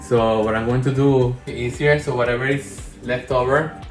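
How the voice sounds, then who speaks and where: This candle maker, a man with a Spanish accent, has a medium-pitched, steady voice at normal speed. His casual tutorial wanders chattily, with frequent self-corrections along the way, over faint music in an echoey room.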